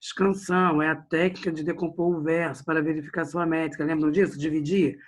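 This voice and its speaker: A man's voice: on the high side, level tone, fairly quick. A Brazilian man teaching a literature class online, chatty and addressing his students directly. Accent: Brazilian Portuguese.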